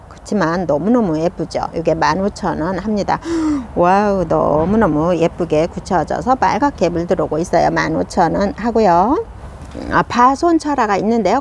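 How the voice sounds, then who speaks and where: A woman's voice: fairly low pitch, creaky, darkish tone, a little hiss or hum. A woman hosting a casual succulent showcase, gushing and exclaiming over how pretty each plant is. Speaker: succulent shop video host.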